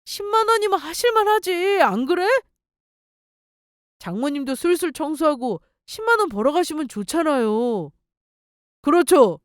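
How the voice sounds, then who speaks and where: Woman as smug young boyfriend, stingy, condescending, lively swooping pitch, dry close recording, story drama. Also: moderate pace, pauses often, no echo. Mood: wheedling, pushy.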